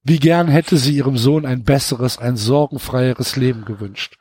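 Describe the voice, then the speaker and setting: A man hosting a podcast reads a novel aloud in a casual way, breaking off for mocking comments and stumbling over his words. His voice is medium-pitched and a little mellow, at a moderate pace, and slightly rough.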